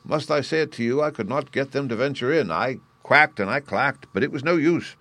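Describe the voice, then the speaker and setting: Man doing a bossy know-it-all old lady duck, pitched up, dry close recording. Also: brisk, a bit bright, no room sound, lightly acted. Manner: bossy, knowing.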